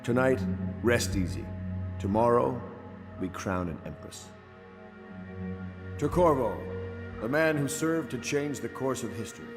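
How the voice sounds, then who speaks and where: An actor playing a stern naval admiral who speaks in a commanding way. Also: male voice, mid-range voice, animated, a little slow, pauses often. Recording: reverberant hall with music.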